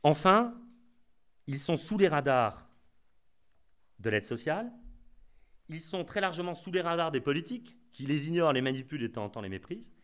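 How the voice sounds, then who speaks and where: Guy giving a lecture, ironic and emphatic, pitch bouncing all over. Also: very animated, normal speed, pauses often, fairly bright tone, smooth. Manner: ironic, emphatic, repeats key phrases. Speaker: conference speaker. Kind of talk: lecture at a conference.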